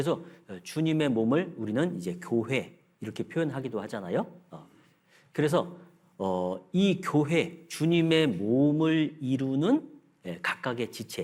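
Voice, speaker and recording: Over a silent background in a very clean recording, a man with a fairly high pitch talks at a fairly slow pace, with very wide pitch swings and big swings in loudness. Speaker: pastor. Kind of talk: sermon.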